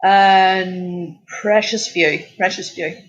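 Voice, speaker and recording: A woman's voice: mid-range voice, fairly even intonation, slow pace, muffled recording. Northern Irish woman, lightly Aussie-tinged. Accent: Northern Irish, slightly Australian-tinged. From Northern Ireland. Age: 50s. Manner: chatty, laughs easily, fillers. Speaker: podcast guest. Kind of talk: casual interview chat.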